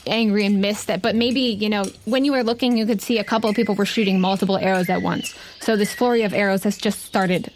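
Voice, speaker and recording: A woman's voice: medium pitch, steady tone, fast, few pauses, darkish tone. Woman running a tabletop rpg, makes up descriptions as she goes, chatty, bit of noise n clicks on the recording. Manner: conversational, improvised descriptions. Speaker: game master. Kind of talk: narrating a tabletop roleplaying game.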